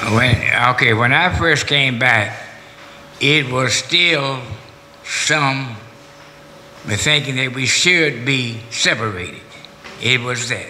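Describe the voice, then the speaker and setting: With a Southern US accent, a man talks at a very slow pace with long, frequent pauses over light background noise. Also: ordinary pitch variation. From US South, Virginia (Prince Edward County). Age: 80s+. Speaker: civil rights plaintiff, military veteran. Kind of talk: panel discussion. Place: hall. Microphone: handheld.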